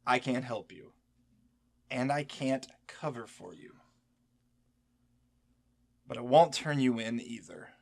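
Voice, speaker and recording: A man's voice: mid-range voice, slow, gravelly, pauses often. A man playing a weary, stern but protective senior agent in an audio drama, speaking in a cautioning way. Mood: weary, concerned.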